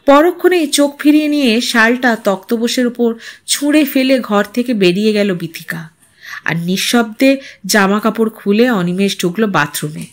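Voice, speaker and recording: A woman narrating a literary story in an expressive, measured, dramatic way. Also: fairly high pitch.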